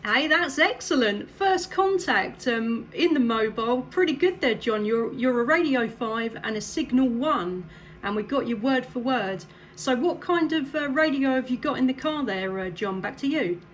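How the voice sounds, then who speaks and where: A woman's voice: high voice, lively intonation, moderate pace. A woman CB radio operator making casual contact chat in an upbeat, encouraging way. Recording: clear background noise.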